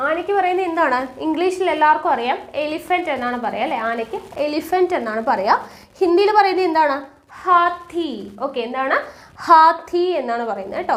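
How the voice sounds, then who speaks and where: Woman from kerala teaching words online, high voice, asks a question then answers it, slow repetition drill. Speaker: language teacher. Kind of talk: online vocabulary lesson.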